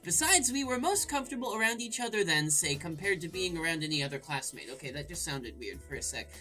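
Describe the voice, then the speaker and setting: A woman's voice: on the low side, big pitch swings, fast, sharp tone, faint music behind. A woman hosting a let's play, reading game text aloud and breaking in with irreverent, crude, jokey asides.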